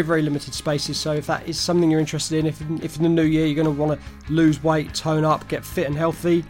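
A man hosting a podcast, his voice slightly croaky, talking in a chatty, upbeat way. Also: fairly high pitch. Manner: chatty, upbeat, friendly promotional. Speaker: podcast host. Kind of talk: casual solo wrap-up talk.

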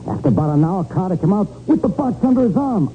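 An actor playing a dim, cowed gangster who whines in slangy, stammering tough talk in a 1940s radio drama. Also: male voice, high voice, very animated, fast. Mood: defensive. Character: dim-witted, cowed male crook, eager to please. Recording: narrow, noisy 1940s radio recording.

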